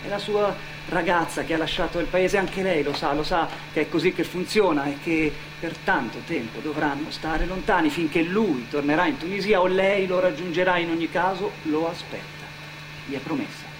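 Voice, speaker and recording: A man's voice: fairly high pitch, moderate pace, background noise. A man working as an actor-narrator, telling a story in dramatic theatre style. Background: music under the voice.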